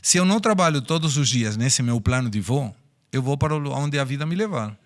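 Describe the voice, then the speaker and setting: A man's voice: mid-range voice, animated, fairly quick. Argentine man in his sixties, reflective. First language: Spanish. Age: 60s. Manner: reflective, storytelling, speaks of personal life lessons. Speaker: guest. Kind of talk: podcast interview.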